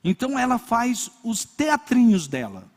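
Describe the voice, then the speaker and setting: High-voiced older Brazilian pastor in a big echoey hall. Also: male voice, unhurried. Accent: Brazilian Portuguese. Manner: lively storyteller acting out little scenes. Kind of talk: sermon with personal storytelling.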